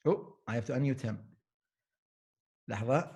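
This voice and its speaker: A man hosting an online talk over a video call, reading a guest's introduction in a relaxed, halting way with fillers and the odd Arabic word. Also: medium pitch. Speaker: host. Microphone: computer mic on a video call.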